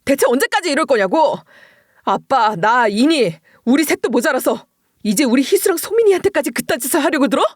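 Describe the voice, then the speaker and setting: A woman voicing an exasperated young husband, normally quiet and reserved, who pleads and then shouts in frustration as she dramatizes a story reading. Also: high voice, very animated, a little fast, no room sound, clean studio sound. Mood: furious.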